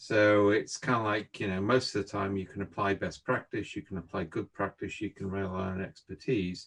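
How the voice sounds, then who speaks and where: Here is a man with a plain, everyday voice, fairly low in pitch and moderate in pace. His intonation stays fairly even, and there are hardly any pauses. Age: 60s. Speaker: consultant and management scientist. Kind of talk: interview. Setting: at home.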